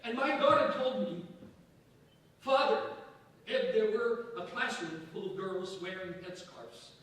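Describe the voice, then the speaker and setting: An older male professor as a stage actor plays him, fairly high in pitch, placating and paternal with a hesitant, pleading delivery. He sounds distant in a heavily reverberant room. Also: unhurried, a bit bright. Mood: pleading, defensive. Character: anxious older professor and father, placating, reasoning. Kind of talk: dramatic staged reading. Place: theatre space at a staged reading. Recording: very echoey hall, distant mic.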